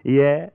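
Cocky wisecracking ex-con, old radio. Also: male voice, mid-range voice, creaky, clean tone, dry recording, full character voice. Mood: smug, menacing. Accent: American. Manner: slangy, sardonic, flirty wisecracking. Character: cocky wisecracking small-time ex-convict, flirtatious and opportunistic. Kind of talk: 1940s radio crime drama acting. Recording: muffled narrow-band old radio recording.

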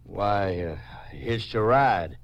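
A man playing a shifty, folksy American crook feigning innocence, defensive and halting, in a 1950s western radio drama. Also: lowish voice, lively intonation. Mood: guarded, evasive. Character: shifty middle-aged rural Texan crook feigning innocence. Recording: dull, muffled old radio recording.

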